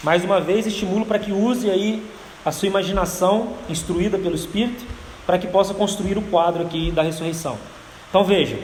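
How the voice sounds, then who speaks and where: A man with a high pitch talks at a fairly quick pace amid noticeable background noise and audible room echo. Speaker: bible teacher. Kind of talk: sermon. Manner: fast; animated.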